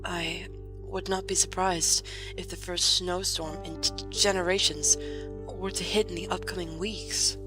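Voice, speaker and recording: A woman playing a composed, gently teasing young noblewoman in a fan audio drama, with formal and dryly playful wording. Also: on the low side, fairly even intonation, unhurried, close to an everyday voice, rough recording. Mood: pensive, serious. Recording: music playing behind. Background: music.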